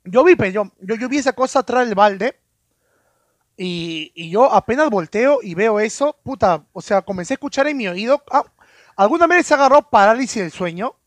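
A man spins a story for his stream audience, stumbling over and repeating his words. His voice sits high. The sound is dry and close, with no room echo. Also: animated, moderate pace. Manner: stammering, repeats words, swears casually. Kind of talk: casual storytelling on a live stream.

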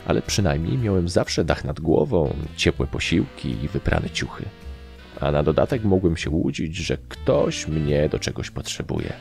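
Brief: male audiobook narrator, low gravelly voice, animated delivery. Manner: lively, expressive reading. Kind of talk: first-person story narration.

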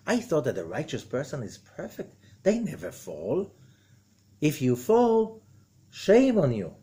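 An older rabbi teaches in a husky, breathy voice, swinging between soft and emphatic lines as he acts out quotes. He sits indoors in a wood-panelled room, recorded by a camera across the table. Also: on the high side, unhurried. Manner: expressive, gestures broadly, quotes figures dramatically. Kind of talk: animated spoken lesson.

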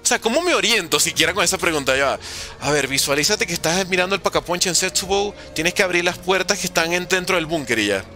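A man's voice: high-pitched, animated, quick pace, pushed and bright, faint music behind. A young man streaming a zombies game live, reading chat questions aloud and answering with playful jokes. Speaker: gaming streamer.

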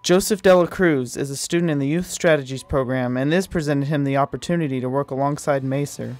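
A man narrating a short documentary from a script, in an even read-aloud manner. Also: medium pitch, a little fast. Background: light music.

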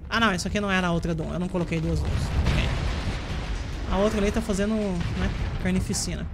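A woman with a Brazilian Portuguese accent hosting a let's play, chatty and playful, teasing the enemies out loud as she plays. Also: lowish voice, steady tone, fast, background noise. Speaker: gaming channel host.

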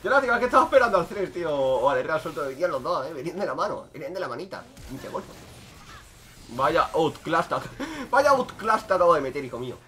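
A young man talks over his gameplay in a casual, joking way. His voice sits a touch high for a man and leaps around a lot, from loud sudden outbursts down to quiet muttering asides. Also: sing-song, fairly quick. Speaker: gaming streamer.

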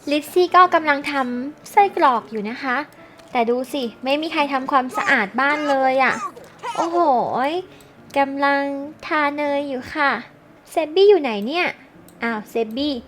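Young female game host, high-pitched, chatty and playful commentary. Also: moderate pace, fairly bright tone, a little hiss or hum. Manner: chatty and playful, many polite particles. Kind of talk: casual gameplay commentary.

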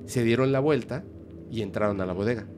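A man, a podcast guest telling an eerie story in a lively, casual storytelling manner. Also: mid-range voice, fairly quick, noisy background. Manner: animated, vivid storyteller.

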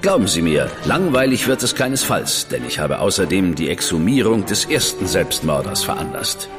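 Reserved, dry investigator, deep voice, radio drama with music. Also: male voice, very animated. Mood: measured. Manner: measured, dry, withholding. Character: cool, reserved male investigator, brother of a famous detective. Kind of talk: German radio drama acting. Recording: long reverb with music behind.

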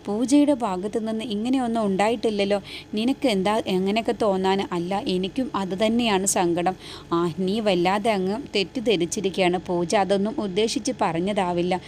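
A woman's voice: mid-range voice, brisk, a little mellow, slight background noise. A woman casually retelling the plot of a TV serial, speaking every character's lines herself. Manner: retells scenes, acting out all the dialogue. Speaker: serial story recapper.

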